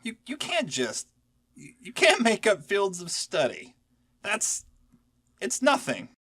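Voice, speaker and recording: A performer playing a blunt, sceptical coworker in an audio drama, with a deadpan, sardonic manner. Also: mid-range voice, slow, slightly rough, exaggerated voice. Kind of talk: audio drama acting, casual dialogue.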